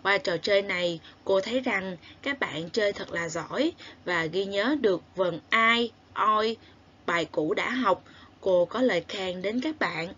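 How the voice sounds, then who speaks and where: A woman teacher with a southern Vietnamese accent addresses young children in a slow, patient recorded lesson. She draws out each sound as she spells, asks gentle questions, and praises the class. Her voice sits in a middle pitch, and the recording sounds slightly dull and muffled. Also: breathy edge. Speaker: primary school teacher.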